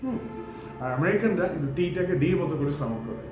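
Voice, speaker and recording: A man's voice: on the high side, expressive, quick pace, heavy reverb, lo-fi sound, music in the background. A man with a Bangladeshi accent teaching English pronunciation in a casual lesson, mixing English phrases in and stretching out words to model them. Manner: mixes English into talk, many fillers, stretches words to model sounds.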